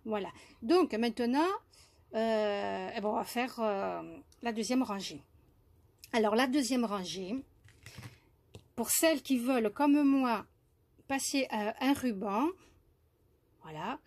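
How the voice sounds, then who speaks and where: A woman from France demonstrating crochet step by step, hesitant with many fillers and restarts, softly counting stitches under her breath. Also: fairly high pitch, slow pace, long pauses. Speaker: crochet tutorial host.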